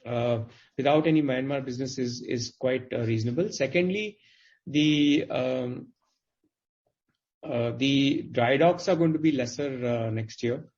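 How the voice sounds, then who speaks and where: A man speaking as a company executive on an earnings call, explaining things in a halting, qualified way over conference audio. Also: medium pitch, a little mellow. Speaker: company executive answering investors' questions. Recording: dull, band-limited conference call audio.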